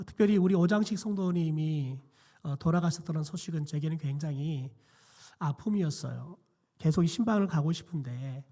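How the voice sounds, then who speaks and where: A middle-aged man, a pastor, preaching a quiet sermon in a church with a hoarse, nearly lost voice and many hesitant fillers. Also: a little high. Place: church sanctuary.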